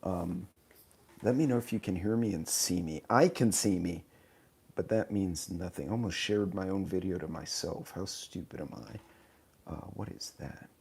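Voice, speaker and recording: Hoarse, low-voiced man chatting on a live stream. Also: a little mellow. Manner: loose, rambling, self-mocking, greets viewers by name. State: hoarse from sinuses. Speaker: channel host. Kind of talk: casual live stream chat. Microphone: tablet mic in vertical live stream.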